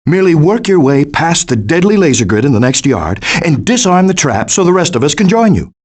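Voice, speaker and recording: Wildly animated, theatrical possum dad. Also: male voice, on the high side, fairly quick. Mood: urgent, excited. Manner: theatrical, pompous, declamatory. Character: melodramatic, hammy male possum, doting middle-aged father. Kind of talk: animated video game voice acting.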